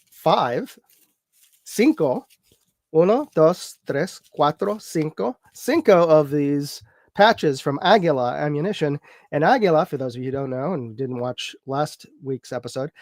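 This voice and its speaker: A man's voice: fairly high pitch, no room sound, clean studio sound. A man hosting a live chat show, talking casually and rambling a bit, congested from a cold. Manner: rambling, filler-heavy, chatty with viewers.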